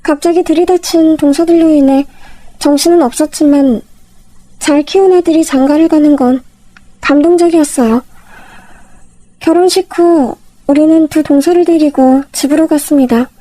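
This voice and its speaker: A woman narrating a story in a measured, steady way. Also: high voice, no room sound, low-quality recording.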